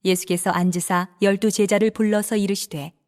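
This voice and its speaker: A woman narrates scripture in a steady, formal reading voice. Her pitch sits in the middle of the female range. A long hall reverb follows her words. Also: fairly quick. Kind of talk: dramatized Bible reading narration.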